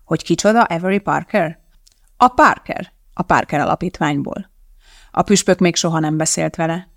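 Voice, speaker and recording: An audiobook narrator giving a measured scripted reading of a novel. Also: medium pitch, vocal fry, a bit bright, no echo, clean studio sound.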